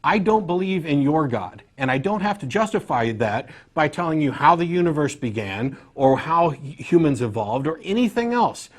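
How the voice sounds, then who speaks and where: Blunt, higher-voiced male call-in show host. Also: sing-song, moderate pace, few pauses. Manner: assertive, blunt, interrupting. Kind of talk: unscripted call-in debate.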